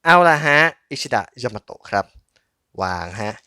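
Bright-voiced man, casual unboxing host. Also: medium pitch, expressive, moderate pace, smooth. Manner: polite, chatty, thinking aloud while handling objects. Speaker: host of a collectible toy unboxing channel. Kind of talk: casual hands-on unboxing commentary.

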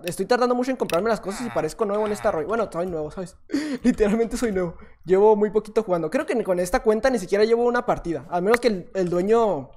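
Excitable Mexican gamer guy commentating. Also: high-pitched. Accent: Mexican Spanish. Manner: chatty, self-mocking, bursts into excited shouts. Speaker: gaming YouTuber. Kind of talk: live gameplay commentary.

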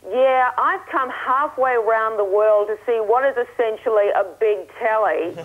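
A woman's voice: on the high side, slow pace, dull audio. A woman in her thirties with an Australian accent, telling a comic travel story in a wry, self-mocking way over a link to a TV studio. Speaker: comic correspondent. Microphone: earpiece link from a studio desk.

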